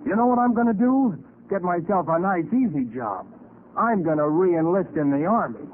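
A man's voice: high-pitched, expressive, normal speed, phone-quality sound. An actor playing a plucky, naive young man with boyish, protesting delivery in a 1940s radio crime drama. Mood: baffled, indignant. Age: young adult. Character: plucky, naive young male army veteran used as bait. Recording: scratchy, thin 1940s radio recording.

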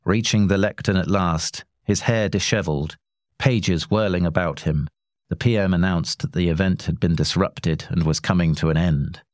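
A man narrating a short story in a measured, wry way. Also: low voice, steady tone, no room sound, clean studio sound.

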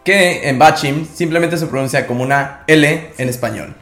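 Guy teaching a language on a podcast, a bit high voice, calm, echoey room, soft music behind. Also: normal speed. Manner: calm, explanatory.

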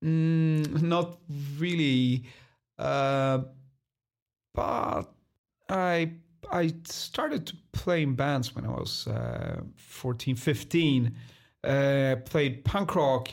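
A man in his forties who grew up in Poland and speaks English as a second language, answering interview questions in a thoughtful, halting way with many restarts. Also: medium pitch, big pitch swings, vocal fry. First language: Polish. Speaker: guest, designer.

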